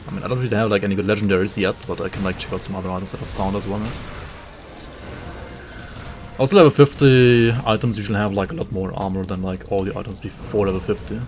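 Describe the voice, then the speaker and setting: A man's voice: lowish voice, fairly even intonation, fast, a little hiss or hum. A man, an English speaker, streaming a game and casually thinking aloud while answering chat, with many "like" fillers. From Germany. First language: German. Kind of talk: live gameplay commentary, reading chat.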